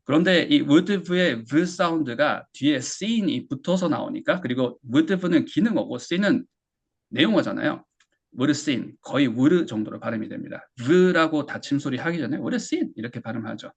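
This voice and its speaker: Husky, gravelly man teaching pronunciation. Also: on the high side, animated. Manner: drills phrases and repeats them slowly. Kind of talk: classroom lesson.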